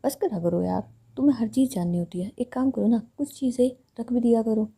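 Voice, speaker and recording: A woman's voice: on the high side, brisk, warm tone, husky. A woman voicing a playful young woman in love who teases her girlfriend in a told love story. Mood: teasing. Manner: teasing, joking.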